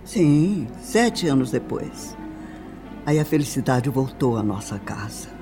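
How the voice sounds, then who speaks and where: Solemn refined older brazilian mom telling her sad story, radio drama style, very animated melody, music behind. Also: extremely low pitch, heavily acted. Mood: wistful. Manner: theatrical, solemn, deliberate phrasing. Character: older upper-class widowed mother, grave, sorrowful, refined. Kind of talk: dramatic radio drama narration in a formal register. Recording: music under the voice. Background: background music.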